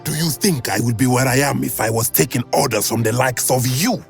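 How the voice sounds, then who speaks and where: A man's voice: medium pitch, fairly quick, creaky, faint music behind, lightly acted. A man acting a haughty, fatalistic gangster boss in a video game drama. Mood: contemptuous.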